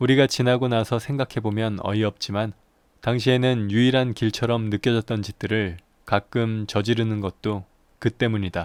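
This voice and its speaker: On a very clean recording with a silent background and a dry, close sound with no echo, a man at medium pitch uses an ordinary speaking voice, speaking at a moderate pace with fairly even intonation. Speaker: audiobook narrator. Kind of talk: audiobook reading for sleep. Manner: soft-spoken, calm.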